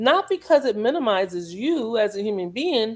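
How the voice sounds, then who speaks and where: Her pitch swings very widely. The woman's tone is animated. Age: 50s. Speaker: podcast host. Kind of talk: interview conversation. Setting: live stream.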